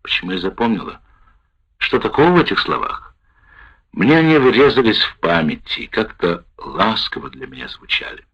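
A man reading a wartime memoir aloud in the first person, with a measured, expressive delivery. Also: lowish voice, slightly rough. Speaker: narrator. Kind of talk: audiobook narration of a wartime memoir. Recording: dull lo-fi recording.

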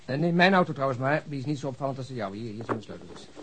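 An actor playing a joking, talkative, food-loving police detective in a radio drama, with a teasing, mock-dramatic manner. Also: male voice, medium pitch, animated, rapid-fire, fairly bright tone, slight background noise, natural voice, poor audio. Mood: jovial.

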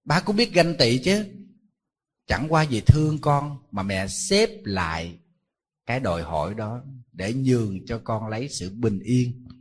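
Husky monk preaching. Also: male voice, medium pitch, very animated, a little slow. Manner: conversational storytelling with rhetorical questions to the audience. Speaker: Buddhist monk giving a dharma talk. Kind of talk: sermon.

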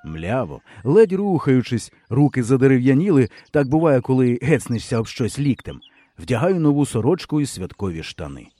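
A man reading a first-person novel aloud with expressive storytelling. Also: medium pitch, moderate pace, no echo. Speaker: audiobook reader. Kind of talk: audiobook narration.

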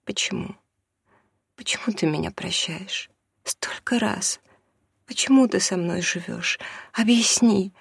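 A reader voicing a desperate mother torn by a new love, pleading in a husky, high, breaking voice. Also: moderate pace, no room sound, clean studio sound. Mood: tearful whisper. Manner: pleading, tearful, rising to high anguished pitch. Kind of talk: audiobook reading.

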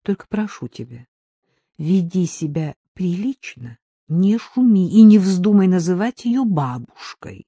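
A woman voicing a gentle, somewhat anxious young mother in an audiobook. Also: on the low side, big pitch swings, a little slow, husky, dry recording, full character voice. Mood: motherly.

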